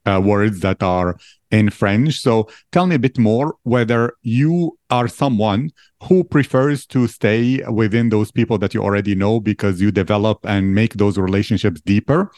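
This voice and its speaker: Male host, slightly low pitch, inquisitive and wordy, dry room. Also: normal speed, a little mellow, no room sound. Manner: inquisitive, long wordy questions. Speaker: interview host. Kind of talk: interview questions.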